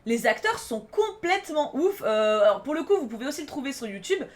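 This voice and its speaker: A woman's voice: high voice, sing-song, a little fast. Chatty, gushing young woman vlogger. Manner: enthusiastic, rambling with many fillers and restarts. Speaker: YouTuber. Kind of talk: casual vlog countdown.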